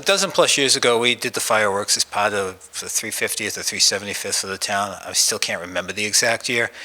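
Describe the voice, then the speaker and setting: A man's voice: fairly low pitch, sharp tone. A man answering questions at a public meeting, easygoing and joking.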